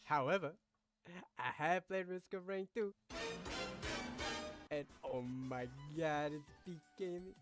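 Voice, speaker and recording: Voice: medium pitch, takes it slowly, long pauses, faint music behind. A guest gamer eagerly pushing another game on listeners. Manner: enthusiastic, pushy recommending. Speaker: guest gamer giving a clip.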